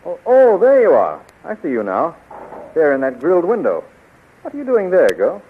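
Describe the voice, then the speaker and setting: An actor playing a gallant, devoted hero prince in a 1930s radio serial, florid and declamatory. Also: male voice, a little high, wildly swooping pitch, normal speed, phone-quality sound. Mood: puzzled, brisk. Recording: scratchy, thin 1930s radio recording.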